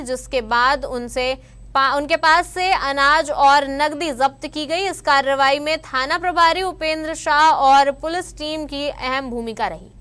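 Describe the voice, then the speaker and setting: A woman reading regional news bulletins as anchor in a formal, even newsreader style. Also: high-pitched.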